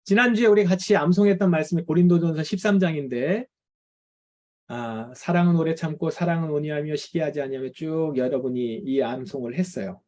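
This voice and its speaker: A man's voice: on the high side, a little fast, a little mellow. A middle-aged male pastor preaching to parents in a conversational lecture style, acting out the complaints of tired parents.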